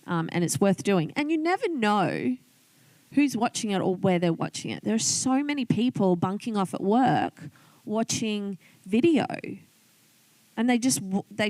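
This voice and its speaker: Explaining video tips over a screen demo, this online business coach keeps things informal, chatting and thinking aloud as she goes step by step. She has an Australian accent and a medium-pitched, darkish voice, recorded with no room sound.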